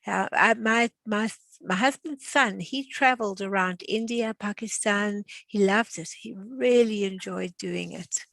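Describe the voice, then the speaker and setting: A woman from South Africa hosting a casual class chat, asking questions in a halting, inquisitive way. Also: medium pitch, gravelly, a bit bright, dry recording. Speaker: class host.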